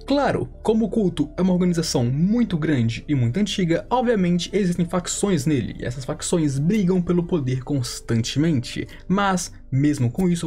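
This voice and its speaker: A young man narrates anime lore in an emphatic explainer voice, and his slightly raised pitch sits over a mellow, warm tone. He keeps adding little asides as he goes. Faint background music runs under his voice. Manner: emphatic, frequent asides like "claro" and "obviamente". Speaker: anime lore channel host. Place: small home studio room. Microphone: large studio mic beside him.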